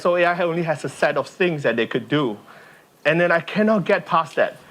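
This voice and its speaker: Lively intonation fills a man's high-pitched voice as he speaks at a fairly quick pace. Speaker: tech conference speaker. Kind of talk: conference talk. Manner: fast.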